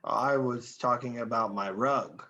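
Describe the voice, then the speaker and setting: Man acting slow, befuddled slacker, slightly dull sound. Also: medium pitch, bright, forceful tone. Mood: puzzled. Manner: halting, stammering, vague. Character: befuddled, laid-back, unemployed male slacker. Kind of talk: table read of a film script.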